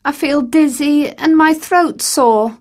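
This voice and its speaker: A woman's voice: high voice, slow pace. A woman acting an unwell young pupil in a scripted coursebook dialogue, sounding plaintive.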